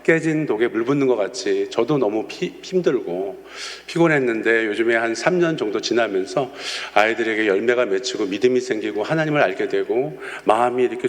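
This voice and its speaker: A male youth pastor giving a conversational sermon, telling stories with frequent affirming asides. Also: mid-range voice. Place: church sanctuary. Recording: long church-hall reverb.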